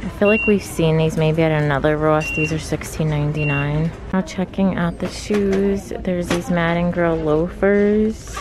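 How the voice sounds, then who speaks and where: A woman with a low, even voice walks through a big store narrating what she finds. Her tone stays flat and steady as she reels off prices. Background store noise comes through the phone mic. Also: unhurried, few pauses. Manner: low-key, steady price-listing commentary. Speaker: shopping vlogger. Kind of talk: casual shop-with-me narration. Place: large retail store, indoors. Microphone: handheld phone camera. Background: store ambience noise.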